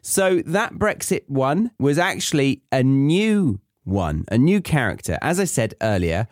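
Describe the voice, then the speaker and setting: A man's voice: medium pitch, very animated, a little slow, no echo, studio quality. A man hosting a podcast for learners, explaining things in a chatty way. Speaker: podcast host for language learners. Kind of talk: casual explanatory monologue.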